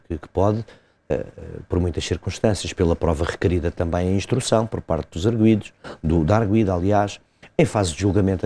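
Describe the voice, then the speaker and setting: A man, a lawyer explaining a legal case step by step in an interview, pausing and hesitating often. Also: low voice, mellow. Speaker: lawyer commenting as guest.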